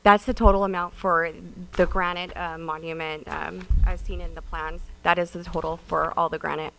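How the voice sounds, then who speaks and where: A woman's voice: on the low side, little pitch movement, moderate pace, creaky, fairly bright tone, low-quality recording. A woman answering questions as a staff member at a public meeting, practical and matter-of-fact. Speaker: city staff member presenting a project.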